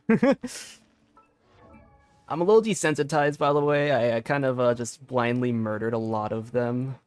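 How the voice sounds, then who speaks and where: A young man streaming a video game, chatting casually with his viewers, often laughing and getting loudly excited. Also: medium pitch, clear, resonant tone, no echo. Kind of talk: casual gaming livestream chat. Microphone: desk mic with limiter filter.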